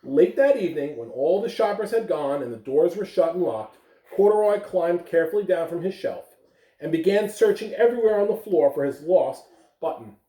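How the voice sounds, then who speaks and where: A woman giving school morning announcements and reading a picture book aloud to young listeners, in a gentle storytelling way. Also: fairly low pitch, animated, moderate pace, echoey room, recorded from a distance, poor audio. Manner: gentle storytelling, coaxing a child to look.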